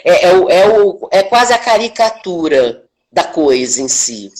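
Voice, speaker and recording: An older woman in her sixties from Brazil, an actress talking on a video-call interview in an emphatic, animated way, often ending points with a quick question to the listener. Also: fairly low pitch. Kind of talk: reflective conversation. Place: home, online live stream.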